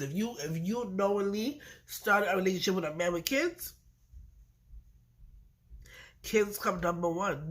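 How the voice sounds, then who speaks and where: A woman with a blocked-up, stuffy nose from allergies talks through a reality TV episode. She is chatty and blunt, swears freely and throws in lively asides. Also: lowish voice. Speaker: reality TV reviewer. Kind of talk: casual recap vlog.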